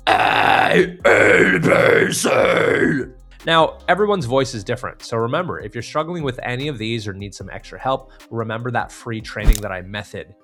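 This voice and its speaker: A man's voice: medium pitch, fairly quick, hardly any pauses, fairly bright tone, soft background music. A man working as a vocal coach, giving step-by-step tutorial instruction and speaking directly to the viewer. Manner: demonstrates exercises step by step, direct address.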